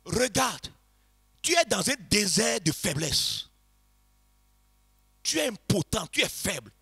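A man preaching a revival sermon to a congregation, passionately shouting and chanting repeated phrases and leading them in prayer. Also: high-pitched, sing-song, takes it slowly, vocal fry, husky, soft background music. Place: church congregation.

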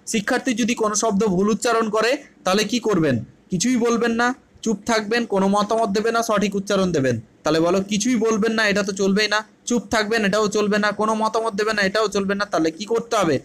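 A man with a high voice and a Bengali accent gives an online exam-prep class. He asks his students questions and answers them himself, repeats each key point and drops English terms into his Bengali. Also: a bit bright. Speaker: teacher.

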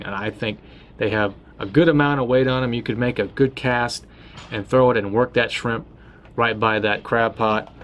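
A man's voice: fairly low pitch, a little hiss or hum. A man in his thirties, a tackle shop host, talking casually about fishing tactics with plenty of uh fillers. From Florida. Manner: relaxed and conversational, with many uh fillers and restarts. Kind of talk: casual fishing how-to talk.

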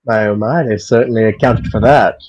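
A man's voice: on the low side, fairly quick, darkish tone, dull audio, lightly acted. A man playing a prim, genteel woman with a cane. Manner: prim, formal, mannered.

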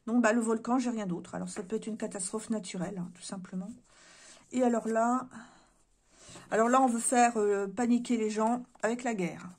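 Chatty woman reading cards, fairly high voice. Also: steady tone, normal speed. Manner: musing, thinks aloud with many fillers and hesitations. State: voice giving out, clears throat. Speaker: card reader. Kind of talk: casual tarot reading to camera. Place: room indoors.

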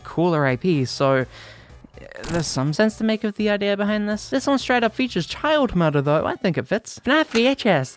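Wry, sardonic video essayist, mid-pitched voice. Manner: wry, sardonic, playfully exaggerated. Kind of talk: casual scripted video-essay commentary.

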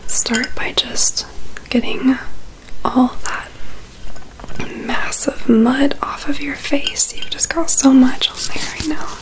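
A young adult woman doing a gentle, soothing ASMR roleplay in a breathy whisper, close to the microphone. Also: high voice, steady tone, slow, rough recording. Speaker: ASMR artist in a personal-attention roleplay. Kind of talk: soft-spoken ASMR roleplay. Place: small indoor room with curtains. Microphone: close USB condenser microphone.

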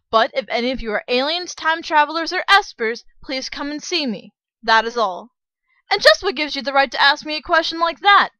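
Woman acting a brash, bossy anime schoolgirl, high-pitched. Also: no room sound, heavily acted, rough recording. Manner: forceful, brash, commanding. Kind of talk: anime dub audition acting.

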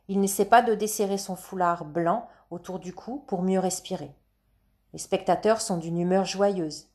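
A woman narrates a children's novel in the first person, calm and measured. Her voice sits at a middle pitch for a woman. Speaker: audiobook narrator. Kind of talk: first-person storybook reading.

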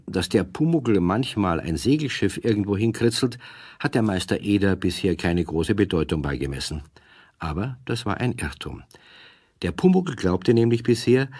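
An actor as the calm narrator of a children's audio play, reading a scripted story in a husky voice. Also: male voice, fairly low pitch, dry recording, full character voice.

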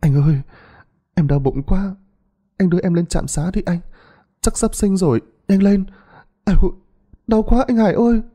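A man's voice: lowish voice, fairly even intonation, normal speed, mellow, natural voice. A man voicing a young village wife in labour who pleads urgently with her husband in a storybook tale. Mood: pained pleading. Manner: pleading, urgent, strained with pain.

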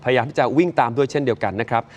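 A man presenting morning news, retelling events in a lively, chatty way and addressing viewers directly. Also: medium pitch, rapid-fire, lo-fi sound.

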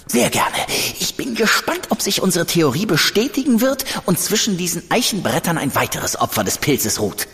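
Casting: a scholarly doctor, high lively voice, reverb. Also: male voice, normal speed, creaky, few pauses, full character voice. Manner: precise, scholarly. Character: earnest, learned doctor examining corpses.

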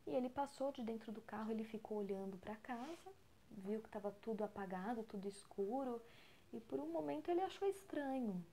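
A Brazilian woman with a Brazilian Portuguese accent tells a story for a podcast from home. She keeps her voice low, close to a whisper, and her tone is mellow and relaxed. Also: a little fast, slight background noise. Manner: soft, almost whispering. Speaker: podcast co-host. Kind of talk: storytelling talk.

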